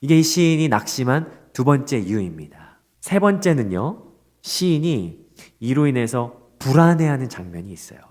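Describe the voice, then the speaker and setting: A male pastor preaching a dawn prayer sermon, expressive and asking the congregation rhetorical questions. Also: medium pitch, moderate pace.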